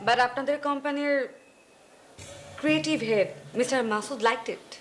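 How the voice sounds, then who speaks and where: A woman's voice: high-pitched, normal speed, slight background noise, lightly acted. A woman playing a confident ad producer who defends her work, slipping into English. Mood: defensive. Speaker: ad agency producer.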